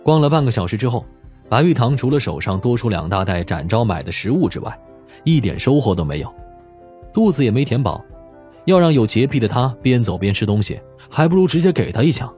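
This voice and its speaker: A man's voice: mid-range voice, very animated, a little fast, mellow. A man reading a detective audiobook as a scripted narration. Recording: music behind the voice.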